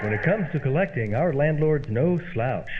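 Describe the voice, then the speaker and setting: A man's voice: medium pitch, animated, moderate pace, natural voice. A man playing a wry, sceptical housemate in an old-time radio comedy, speaking in theatrical rhyme. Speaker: comedy show co-host. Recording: muffled, very noisy old-time radio sound.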